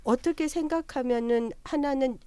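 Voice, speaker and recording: A woman hosting a podcast panel chat, talking in a chatty, animated way and humming along as others speak. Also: high-pitched, moderate pace, clean tone, no echo. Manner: animated, chatty, frequent backchannel hums. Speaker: podcast host. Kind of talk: casual panel discussion.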